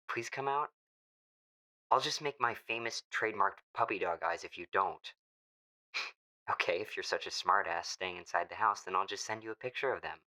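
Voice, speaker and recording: A young man in an ASMR boyfriend roleplay, talking playfully and teasingly, laughing often and sometimes dropping to a hush. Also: on the low side, rough recording. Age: young adult.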